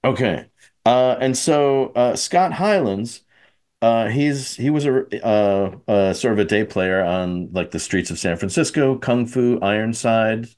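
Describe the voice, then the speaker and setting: A man's voice: medium pitch, lively intonation, measured pace, darkish tone. A man hosting a podcast in casual chat, talking hesitantly with many fillers. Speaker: podcast host.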